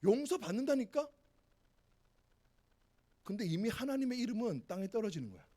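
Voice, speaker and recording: A man preaching an evening sermon to teenagers at a youth camp, emphatic and scolding, shouting one moment and dropping to a hush the next. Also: sits high, big pitch swings, normal speed. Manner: emphatic, swings between shouting and hushed scolding; talks down to listeners in casual speech.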